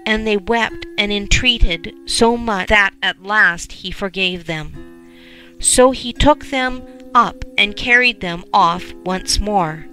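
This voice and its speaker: A woman narrating a folk tale in measured storytelling. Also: mid-range voice, pushed and bright, soft background music, poor audio.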